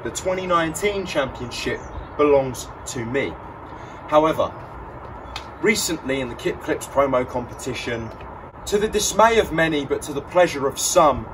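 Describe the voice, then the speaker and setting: A young man with a slightly high voice presents like a ring announcer in a wrestling promo, theatrical and declamatory. He is outdoors with clear background noise. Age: young adult. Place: outdoors in a back garden. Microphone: camera a few metres away. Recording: distant mic, noisy outdoor ambience.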